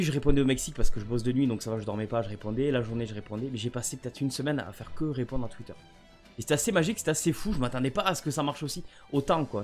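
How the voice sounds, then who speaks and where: A French man chatting casually to camera about a gift, often rambling and stammering over his words. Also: mid-range voice. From France. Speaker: gaming vlogger.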